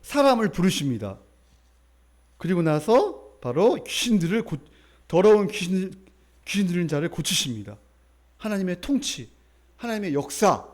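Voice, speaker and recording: A male pastor delivers a sermon in church. His voice sits high for a man and moves lively up and down as he tells his story. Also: normal speed, long pauses. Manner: animated storytelling, acting out the people in his story.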